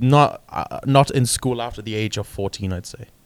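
Speaking at a medium speed, a man talks with a German accent. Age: 20s. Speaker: guest. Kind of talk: casual chat.

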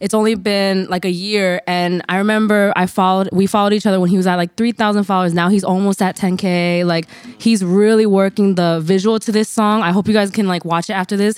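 Over music in the background, a woman with medium pitch speaks at a fairly quick pace with hardly any pauses, her intonation monotone and flat and her loudness very even. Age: 20s. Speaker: hip hop journalist. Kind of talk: casual chat. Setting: studio. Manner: casual filler-heavy speech.

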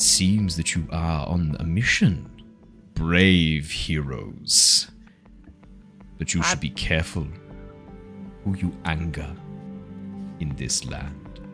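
A man's put-on character voice, very deep and low, at a very slow pace with long, frequent pauses and clear music in the background. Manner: menacing, sinister.

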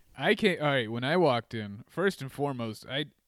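A man with a normal speaking voice and an American accent talks at a fairly quick pace with lively intonation on a very clean recording with a silent background. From Bakersfield, California. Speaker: stand-up comedian. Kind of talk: casual chat.

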